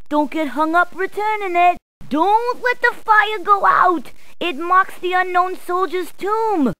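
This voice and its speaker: A cheerful adult policewoman from a game, trading one pun after another. Her voice sits high and perky, and the studio recording is dry and close with no room sound. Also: pushed and bright, dry recording, full character voice. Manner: upbeat, punning, chatty. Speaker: voice actor. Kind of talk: game voice clips.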